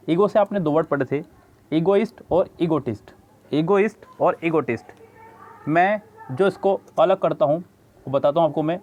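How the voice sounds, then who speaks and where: A man's voice: fairly high pitch, darkish tone. Man teaching from a vocabulary book. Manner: reads English text slowly, explains quickly in Hindi; addresses students as children. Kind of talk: Hindi-English book lesson. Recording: dull lo-fi audio.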